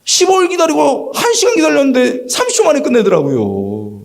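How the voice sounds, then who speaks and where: A man's voice: very high-pitched, wildly swooping pitch, a little fast, creaky. A man in his sixties, a pastor preaching a sermon at an evening church service. He tells personal stories and acts out the dialogue in them. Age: 60s. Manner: storytelling, acting out quoted dialogue.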